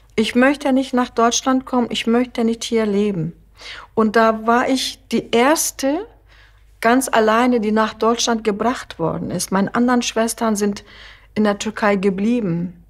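Talking fairly slowly with ordinary movement in her pitch, a woman is heard against a quiet background. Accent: Turkish. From Turkey, Istanbul. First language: Turkish (speaking German). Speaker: former cosmetician; interviewee. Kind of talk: personal testimony. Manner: hesitant, many filler sounds. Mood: reflective, sometimes resentful. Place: home room.

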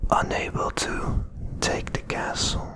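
The man speaks in a whisper. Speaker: ASMR creator. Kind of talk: ASMR history narration. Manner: whispered. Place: home room. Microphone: handheld.

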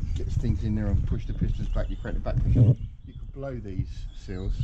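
Noticeable background noise sits under a man speaking at a fairly quick pace. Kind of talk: tutorial. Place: garden. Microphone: phone near.

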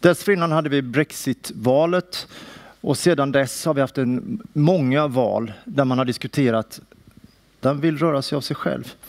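Against a quiet background, a man with a fairly high pitch talks at a fairly slow pace with ordinary pitch variation. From Sweden. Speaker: professor. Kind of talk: lecture. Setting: stage with audience. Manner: humorous, self-ironic. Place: hall. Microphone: headset.

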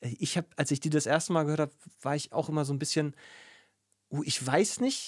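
At a very fast pace, a man with a fairly high voice speaks with fairly even intonation, the sound dry with no echo against a quiet background. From Hamburg, northern Germany; Germany. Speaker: music podcast host. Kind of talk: casual chat. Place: studio. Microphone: studio dynamic mic; studio mic.

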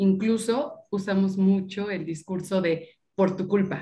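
Somewhat breathy, a woman speaks very slowly at a medium pitch with fairly even intonation. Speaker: psychology student. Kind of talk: class discussion. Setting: video call.

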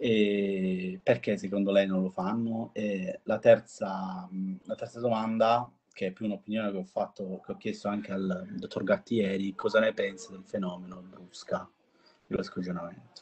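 Flat and monotone, a man talks at a fairly low pitch. His pace is moderate. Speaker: master's student. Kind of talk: audience question. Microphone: poor audio, hard to hear; video call.

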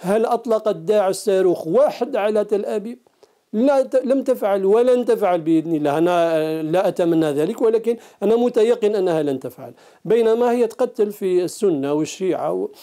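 Against a quiet background, a man with a dark, mellow tone speaks at a high pitch and a moderate pace, his intonation lively. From Algeria. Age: 50s. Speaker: Islamist politician and preacher; Islamist politician, preacher. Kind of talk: TV interview. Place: home room.

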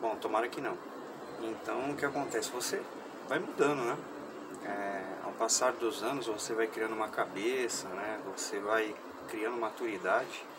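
Against loud background noise, a man talks at a moderate pace with medium pitch and fairly even intonation. He leaves long, frequent pauses. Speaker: artist vlogger. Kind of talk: casual vlog. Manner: soft-spoken. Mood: reflective, calm. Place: open country. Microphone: phone near.

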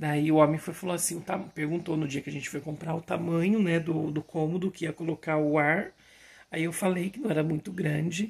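A man with a high pitch talks at a fairly quick pace. His intonation stays fairly even. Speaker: vlogger. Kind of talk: casual chat.

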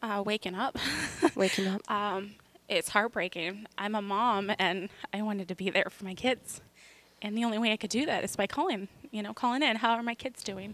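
Fairly quick pace with ordinary pitch variation, in a dry sound with no echo. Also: woman. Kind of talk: interview answer. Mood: emotional, recounting hard birth. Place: hall. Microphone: handheld.

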